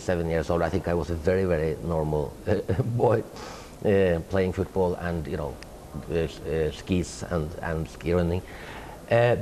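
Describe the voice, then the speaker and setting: A man's voice: mid-range voice, a little hiss or hum. A middle-aged Norwegian man with a Norwegian accent, answering interview questions thoughtfully with many hesitations. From Norway. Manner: hesitant, many fillers and restarts, animated hand gestures. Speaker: interviewed writer. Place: indoor room with tapestry wall.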